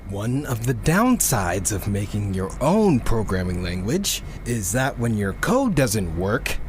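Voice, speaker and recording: Animated, sweary programmer, slow-paced. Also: male voice, medium pitch, slight background noise. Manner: rambling, self-interrupting, swearing. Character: sweary, geeky rocket programmer keeping an audio log, excitable and exasperated. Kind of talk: audio drama monologue as a casual recorded log.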